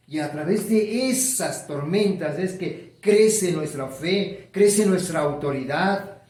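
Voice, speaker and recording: A man's voice: sits high, a little mellow, roomy sound. A man preaching a sermon, stretching key words and building emphasis. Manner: preaching with rising emphasis and drawn-out stresses. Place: church sanctuary.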